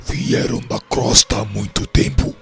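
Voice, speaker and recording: A man's voice: a little slow, over music, natural voice. A man playing a stern, aloof priest spirit in a radio drama, speaking in a curt, imperious, formal manner. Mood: cold, commanding. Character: stern, aloof male priest spirit ruling a dark realm.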